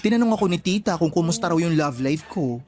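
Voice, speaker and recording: A man's voice: a little high, lively intonation, fast talker, natural voice. An actor playing a flamboyant, closeted young gay man who gossips and schemes in a radio drama, full of colloquial slang. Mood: gossipy. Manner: campy, sassy, gossipy storytelling.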